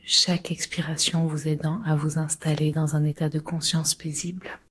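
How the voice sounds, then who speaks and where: A woman leading a guided relaxation meditation in a breathy, husky, often near-whispered voice, giving slow, soothing, measured instructions. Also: low voice, flat delivery. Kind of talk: guided Yoga Nidra meditation.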